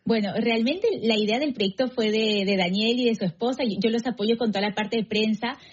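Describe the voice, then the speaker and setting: A woman's voice: on the high side, a little fast. A woman journalist from France, a guest on a radio interview, speaking in a friendly, personal way with some hesitations. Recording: muffled broadcast audio.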